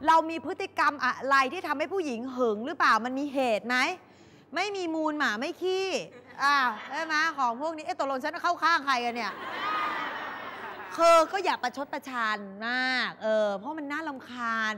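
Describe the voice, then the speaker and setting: A woman's voice: high-pitched, normal speed, sharp tone, big-room sound, a little hiss or hum. A woman hosting a TV talk show, giving chatty, comic advice to viewers and acting out little quoted voices.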